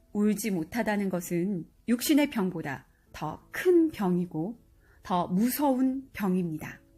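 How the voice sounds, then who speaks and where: Lively intonation from a woman, with music behind her. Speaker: announcer. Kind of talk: audiobook reading of an essay.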